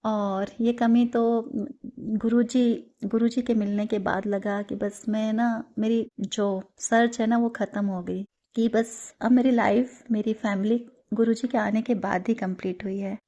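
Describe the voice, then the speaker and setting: A woman's voice: a little high, steady tone, a little slow, warm tone, highs cut off. Earnest woman giving a devotional testimony. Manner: earnest, mixes English words into Hindi. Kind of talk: personal spiritual testimony.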